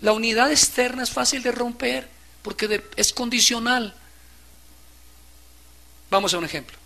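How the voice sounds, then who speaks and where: A man preaching a sermon as pastor, swinging between quiet, low passages and loud, impassioned stretches. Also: moderate pace, creaky.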